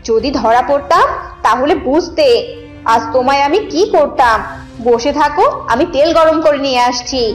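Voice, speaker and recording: A woman's voice: sits high, moderate pace, echoey room, faint music behind, natural voice, low-quality recording. A woman voicing a bossy, scolding fox wife and scheming thief in a cartoon, with a nagging, commanding manner. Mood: angry. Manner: nagging, commanding, sharp-tongued. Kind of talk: cartoon character dialogue.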